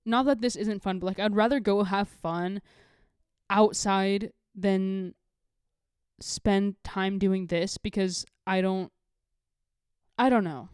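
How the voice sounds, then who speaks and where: A young woman in her late teens chats as a solo podcast host in a smooth, clear voice at a medium pitch. The recording is close and dry. Her delivery is casual and confessional, rambling along with lots of filler "like". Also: steady tone, takes it slowly, long pauses, darkish tone, dry recording. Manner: rambling, heavy use of "like", candid.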